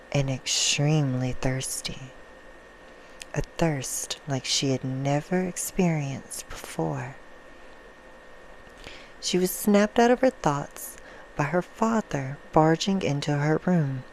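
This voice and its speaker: Noisy backdrop; woman as soothing, menacing female vampire, hushed and unhurried, for an ASMR bedtime story. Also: sits low. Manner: slow, hushed storytelling, drifting into whispers. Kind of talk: ASMR roleplay. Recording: clear background noise.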